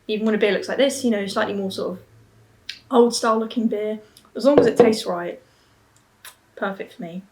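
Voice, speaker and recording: A woman's voice: mid-range voice, fairly even intonation, brisk, long pauses, darkish tone. A woman in her twenties giving a casual review to camera, musing and often restarting her thoughts. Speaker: beer and snack reviewer. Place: small plain room at home, seated at a table.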